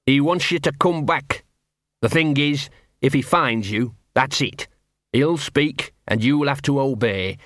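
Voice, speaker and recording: A scruffy little talking dog, put on by a male reader, nervous and streetwise. He rambles in circles with cheerfully broken grammar, voice pitched a little up. Dry, close storybook sound. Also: measured pace, a bit bright, no room sound, lightly acted. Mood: rambling, nervous. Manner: rambling, ungrammatical, wheedling.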